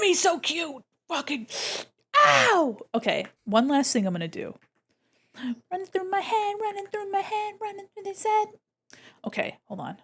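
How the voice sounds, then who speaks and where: A woman's voice: on the high side, fairly bright tone, slightly rough. A young woman streaming her drawing live, chatting playfully with viewers and giggling often. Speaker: VTuber art streamer. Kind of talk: casual live-stream chat while drawing.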